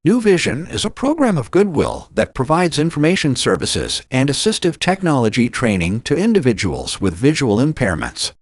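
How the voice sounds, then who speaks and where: A man's voice: mid-range voice, wildly swooping pitch, normal speed, hardly any pauses, no echo. A man reading scripted sponsor credits as a formal announcer.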